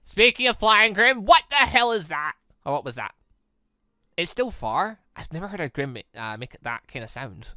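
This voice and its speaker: A man hosting a let's play, reading visual novel dialogue aloud in an animated way and reacting excitedly as he goes. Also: on the high side, normal speed, dry recording, clean studio sound. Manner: animated, stumbles while reading and exclaims at the story.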